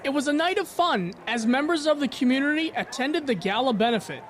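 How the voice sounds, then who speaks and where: A man's voice: very high-pitched, animated, fairly quick, a crowd in the background. A man working as a local TV field reporter, giving an upbeat report from an event. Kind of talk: on-location news report.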